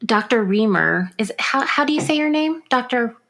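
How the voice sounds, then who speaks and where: A woman's voice: fairly high pitch, expressive, moderate pace, a bit bright. A woman co-hosting a true crime podcast, laying out her argument step by step with plenty of fillers in casual discussion. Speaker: podcast co-host.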